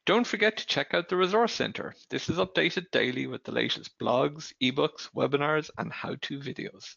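A man hosting a webinar, reading out housekeeping announcements in a gravelly voice. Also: a little high, normal speed, a bit bright, no echo, highs cut off. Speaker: webinar host. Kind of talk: read-out announcements.

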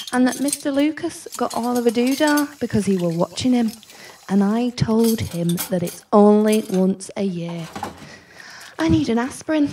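A woman's voice: medium pitch, recorded from a distance, noisy background, close to an everyday voice. A woman playing an aggrieved, hungover working-class wife in a comic advert monologue, plaintive and colloquial.

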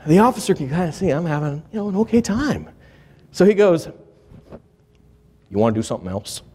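A man in his forties giving a keynote speech in a hotel ballroom, animated and acting out the people in his stories. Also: sits high. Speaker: keynote speaker. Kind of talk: live keynote speech with storytelling. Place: large hotel ballroom, indoors.

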